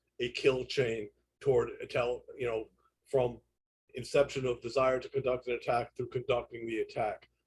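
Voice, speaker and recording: A man speaks with a Brooklyn accent. His pace is moderate. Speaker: retired police lieutenant and instructor. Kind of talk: presentation. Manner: louder after request. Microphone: too quiet for some listeners.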